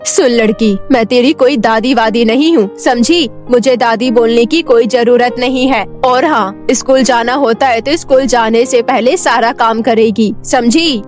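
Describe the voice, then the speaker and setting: A woman's voice: on the high side, measured pace, few pauses, soft background music, lightly acted. A woman voicing a cruel old grandmother in a children's cartoon story, scolding with contempt and threats. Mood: harsh, scolding. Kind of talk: Hindi cartoon storybook acting.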